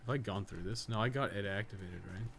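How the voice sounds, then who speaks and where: A man with a slightly low voice gives casual commentary while he plays a game. He rambles and thinks out loud, using slang and swearing freely. There is noticeable background noise under his voice. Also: fast talker. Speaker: game livestreamer. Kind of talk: casual gameplay commentary, chatting while playing.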